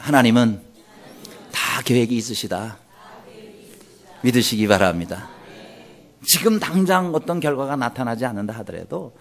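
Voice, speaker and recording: Male pastor preaching, high lively voice, asks the congregation questions. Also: vocal fry. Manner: acts out anguished quoted pleas in a raised voice. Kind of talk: sermon.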